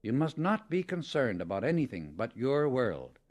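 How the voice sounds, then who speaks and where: A man narrating a scripted spiritual audiobook in a measured, emphatic, instructional manner. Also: mid-range voice, sing-song.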